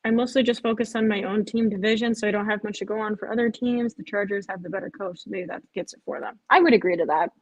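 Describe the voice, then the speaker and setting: Sleepy woman streamer rambling to chat, kinda husky voice. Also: mid-range voice, steady tone, fast talker, few pauses, rough recording. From Chicago area. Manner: tired, rambling, chatting with viewers. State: drowsy, yawning. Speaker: live stream host. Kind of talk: casual live stream chat.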